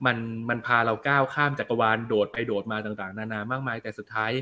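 A young adult man hosting a casual film review show, chatting in a relaxed, slangy way and answering viewer comments. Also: medium pitch, fast.

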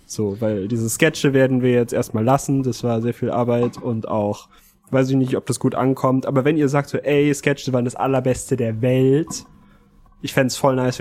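A man's voice: medium pitch, darkish tone. A man co-hosting a podcast in casual chat, informal and slangy with bits of English. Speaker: podcast co-host.

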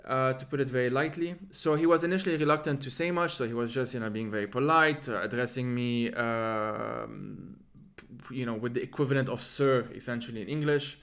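In a reflective interview, a podcast host from Lebanon thinks aloud, his talk wandering through asides and his R's rolled. The voice is mid-range, gravelly and fairly bright, and he speaks fairly quickly.

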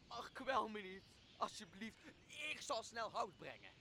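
A young man playing a tormented, servile island monster in a Shakespeare radio play, pleading in a strained, creaky voice. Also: high-pitched, sing-song, a little slow, pushed and bright, slight background noise, heavily acted. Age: young adult. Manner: pleading, whimpering.

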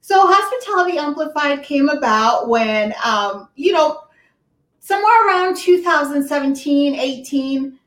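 Upbeat high-pitched woman from ghana, chatting as a guest on a call, roomy echo. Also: expressive, measured pace, a bit bright. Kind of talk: casual interview chat. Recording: echoey room.

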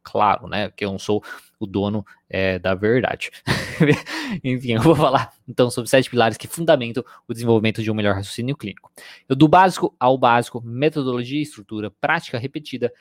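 A man's voice: medium pitch, quick pace, no room sound, studio quality. A man with a Brazilian accent, a psychologist giving a conversational live-streamed lecture, often dropping in tag questions. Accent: Brazilian Portuguese. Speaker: psychologist teaching a live class.

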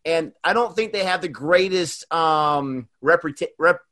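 Relaxed man guest on a video call. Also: on the high side, measured pace. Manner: relaxed, searches for words. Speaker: podcast guest. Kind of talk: casual chat.

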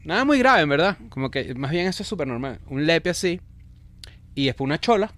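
Fast-talking joking Venezuelan man. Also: on the high side, sing-song, a bit bright, no room sound. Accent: Venezuelan Spanish. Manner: quick, joking, storytelling. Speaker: comedian co-host. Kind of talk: casual podcast banter.

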